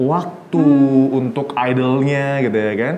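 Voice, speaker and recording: A man with a fairly high pitch talks at a very slow pace, with noticeable background noise and audible room echo. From Indonesia. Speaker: podcast host. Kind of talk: casual interview chat. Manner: animated.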